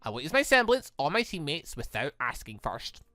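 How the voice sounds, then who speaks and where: Someone putting on a cheeky, animated young woman. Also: mid-range voice, fairly quick, no room sound, soft background music, pitched below the performer's own voice. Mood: playful, cheeky.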